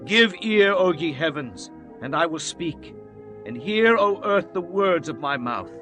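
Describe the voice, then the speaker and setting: A man's voice: fairly high pitch, fairly bright tone. A man playing an aged, stern and fervent prophet, declaiming solemnly in a dramatized scripture recitation. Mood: solemn proclamation.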